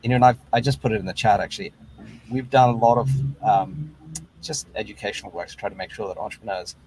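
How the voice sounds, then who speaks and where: A man on an investor panel, speaking in a measured, advice-giving way over a video call. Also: lowish voice, darkish tone, a little hiss or hum, low-quality recording. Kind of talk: panel discussion.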